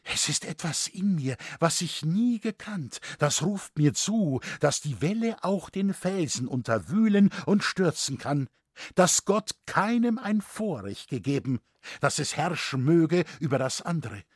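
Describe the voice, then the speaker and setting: A man's voice: on the high side, sing-song, measured pace, slightly rough, no echo, clean studio sound, exaggerated voice. Man reading an earnest young noble girl. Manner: earnest, pleading. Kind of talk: audiobook reading.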